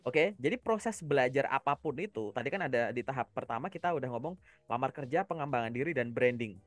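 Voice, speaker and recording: A man's voice: mid-range voice, expressive, fast, no room sound, faint music behind. A man from Java giving casual coaching advice, explaining step by step and checking in with rhetorical questions. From Java, Indonesia. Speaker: career coach.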